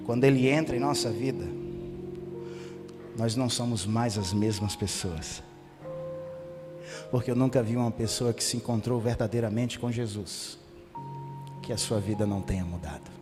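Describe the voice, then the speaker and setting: Guy preaching in a church, long echo, guitar playing under him. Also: medium pitch. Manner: animated storytelling with quoted family dialogue. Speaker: pastor. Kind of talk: sermon. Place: church sanctuary. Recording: church hall reverb with music behind. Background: guitar music.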